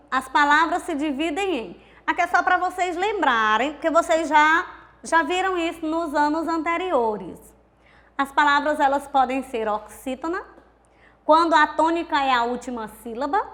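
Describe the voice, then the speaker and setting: A woman with a Brazilian accent teaches a grammar lesson in a high, clear voice. She explains step by step, drawing words out and counting syllables aloud. She keeps asking the class rhetorical questions. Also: fairly bright tone. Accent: Brazilian Portuguese. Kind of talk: recorded grammar video lesson.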